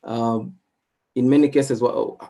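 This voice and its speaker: A man whose first language is Swahili, giving a recorded lecture with slides in an unhurried way, with many fillers and restarts. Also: medium pitch, steady tone, warm tone.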